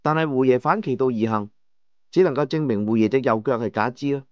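A man narrating a first-person audiobook novel in a measured storytelling manner, over soft background music. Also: mid-range voice, no room sound, muffled recording. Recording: dry studio with soft music.

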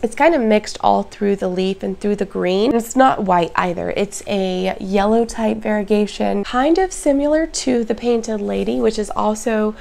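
A woman chatting casually to her viewers in a plant vlog, her voice hoarse and raspy. She is upbeat and talks to the audience directly. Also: mid-range voice, normal speed, hardly any pauses, a little mellow. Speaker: plant vlogger. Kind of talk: casual show-and-tell vlog.

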